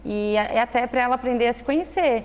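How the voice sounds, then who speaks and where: A woman in casual conversation, explaining parenting ideas in a thoughtful, measured way, often checking in with "né". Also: a little high, clean tone. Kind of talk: conversational interview. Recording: echoey room with faint noise.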